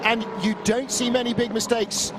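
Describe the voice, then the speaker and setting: A man's voice: extremely high pitch, little pitch movement, moderate pace. A man giving live motorsport commentary as a race commentator, describing the action emphatically with repeated phrases. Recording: loud car and engine noise behind.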